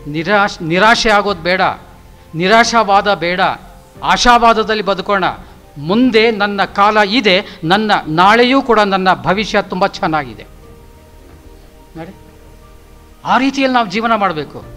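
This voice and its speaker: A man's voice: high-pitched, lively intonation, unhurried, pauses often, sharp tone, soft background music. A middle-aged male professor giving a motivational lecture, stressing his points with repetitive lists and English phrases mixed in. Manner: emphatic, repetitive lists, mixes in English words.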